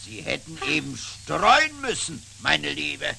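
An actor playing a grumpy, sly male fox in a children's puppet show, gruff and sarcastic, with theatrical groaning. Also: a little high, very animated, slow, pushed and bright, a little hiss or hum, exaggerated voice. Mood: sheepish.

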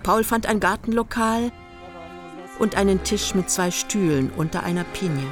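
An actress plays a female narrator of a literary radio play. She tells it in a mid-pitched voice, measured and dry, keeping an ironic distance. Music sits faintly behind the words. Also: natural voice. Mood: dry, observing. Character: detached, ironic literary narrator of a love story.

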